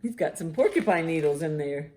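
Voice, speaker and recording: A woman's voice: sits low, lively intonation, brisk, warm tone, echoey room. A woman presenting storytime for young children, reading and explaining expressively and speaking to them directly. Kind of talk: picture-book storytelling and instruction for young children.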